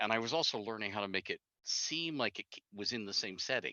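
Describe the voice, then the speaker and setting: With vocal fry and very wide pitch swings, a man talks in a fairly low voice at a moderate pace. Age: 60s. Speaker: game designer and author. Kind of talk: interview.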